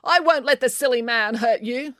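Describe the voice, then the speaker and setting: A woman narrator plays an indignant cat lady from a storybook, fiercely protective. Her voice sits high, pleading and exclaiming, in a dry close recording. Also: very animated, takes it slowly, fairly bright tone, no room sound, heavily acted. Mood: soothing, protective. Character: protective, upset cat lady defending her old bear.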